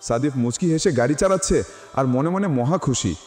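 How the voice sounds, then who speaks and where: A man narrating a romantic story in the first person, expressive and animated. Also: medium pitch, brisk. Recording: reverberant with music behind.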